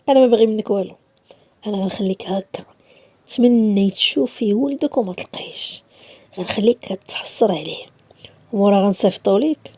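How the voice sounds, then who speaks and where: A woman acting a cruel young man, Moroccan accent, slow icy whisper, husky. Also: mid-range voice, darkish tone, no room sound, close to an everyday voice. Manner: cold, slow, half-whispered menace.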